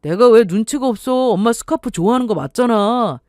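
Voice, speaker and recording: A woman's voice: a little high, lively intonation, a little fast, a little mellow, no room sound, studio quality, lightly acted. A woman voicing an easygoing young man who answers casually and a little defensively.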